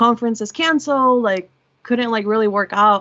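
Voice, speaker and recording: In a Spanish accent, this voice moves at a fairly quick pace with ordinary pitch variation. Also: woman. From Costa Rica. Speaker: chaos engineer and developer advocate. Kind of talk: casual interview chat. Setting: livestream show.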